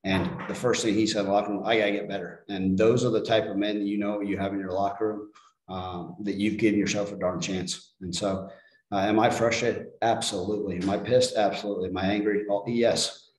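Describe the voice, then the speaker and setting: A man's voice: fairly low pitch, steady tone, fairly quick, a little mellow, echoey room, rough recording. A middle-aged man, a head football coach, answering questions at a post-game press conference in a plain-spoken way, often repeating words as he restarts.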